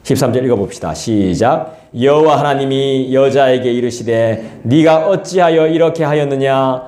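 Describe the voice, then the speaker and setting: A male pastor, preaching an expository sermon in a lively, colloquial way and talking straight to the congregation. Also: mid-range voice, moderate pace. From South Korea. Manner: lively, colloquial, acts out scolding voices and asides to the congregation. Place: church sanctuary. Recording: echoey church hall.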